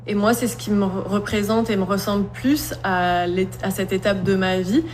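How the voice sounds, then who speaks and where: A woman, a slam poet and singer, answering interview questions in an earnest, thoughtful way with many pauses. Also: mid-range voice, level tone, a little mellow, a little hiss or hum.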